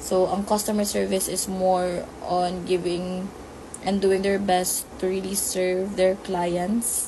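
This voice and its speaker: The delivery is monotone and flat, at a very slow pace. Audible room echo and noticeable background noise fill the recording. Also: woman, medium pitch for a woman. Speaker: vlogger. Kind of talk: casual vlog narration. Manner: hesitant, filler-heavy.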